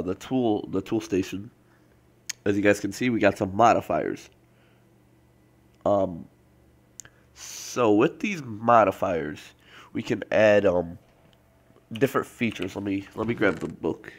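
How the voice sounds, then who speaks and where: Stuffy-nosed young man narrating gameplay. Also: on the low side. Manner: rambling, filler-heavy, self-correcting. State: congested, stuffy nose from a cold. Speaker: let's play host. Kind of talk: casual gameplay commentary.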